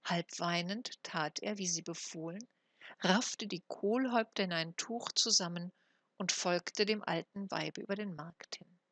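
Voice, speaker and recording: A woman reading an old fairy tale aloud for an audiobook, with expressive storytelling. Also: fairly low pitch, a little slow, no room sound. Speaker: audiobook reader.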